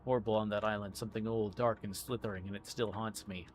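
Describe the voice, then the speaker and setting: Low-voiced man streaming a game, some noise. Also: fairly even intonation, fast. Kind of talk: let's play, reading game text aloud and commenting.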